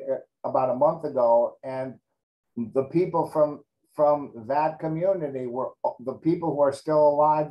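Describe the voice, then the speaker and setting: A middle-aged man whose first language is Greek, reflecting in an oral history interview, halting and restarting often. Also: mid-range voice, muffled recording.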